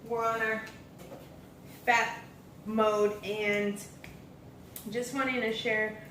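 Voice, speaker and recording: A woman's voice: fairly high pitch, flat delivery, very slow, fairly bright tone. An American woman hosting a casual vlog, talking informally and directly to viewers. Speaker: vlog host. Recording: echoey room, distant mic, faint noise.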